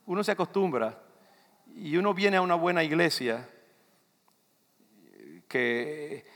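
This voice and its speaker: A man's voice: fairly high pitch, animated, slow, fairly bright tone. An older man from the Dominican Republic with a Dominican accent, preaching a loose, conversational sermon that keeps turning to the congregation. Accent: Dominican Spanish. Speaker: pastor. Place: church sanctuary. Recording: long reverb of a church hall.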